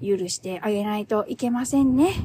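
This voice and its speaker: A woman's somewhat breathy, medium-pitched voice carries ordinary pitch variation. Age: 40s. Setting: recorded on the way home from work.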